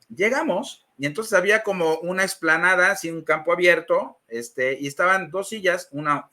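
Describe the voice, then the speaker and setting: A middle-aged man with a Mexican accent tells his conversion story in a lively, personal way. His voice sits high and sounds bright and forceful. He slips into the voices of the people he quotes and often pauses on fillers. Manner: animated storyteller acting out quoted dialogue, many fillers. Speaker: guest giving a faith testimony.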